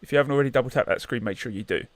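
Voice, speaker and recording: Guy on a live trading stream, muttering over charts, mid pitch, dry close sound. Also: rapid-fire, no echo. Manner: chatty, mutters to himself while checking charts. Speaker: livestream trading host. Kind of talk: casual live-stream chat.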